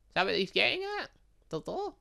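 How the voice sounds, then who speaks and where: A man giving animated let's play commentary on a story game, reacting out loud with exclamations. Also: sits high, brisk, creaky. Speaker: gaming channel host.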